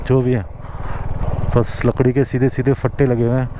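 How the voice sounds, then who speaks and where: A man's voice: mid-range voice, little pitch movement, moderate pace, noisy background. Indian man, travel vlogger, casual outdoor chat into a camera mic, faint ambience behind. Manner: chatty, mixes Hindi with English phrases. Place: outdoors in a mountain valley. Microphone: camera's built-in mic after the mic battery died.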